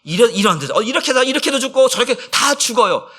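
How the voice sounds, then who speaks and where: A man's voice: very high voice, animated, fast, sharp tone. A male pastor preaching a sermon with passion, putting many rhetorical questions to his congregation.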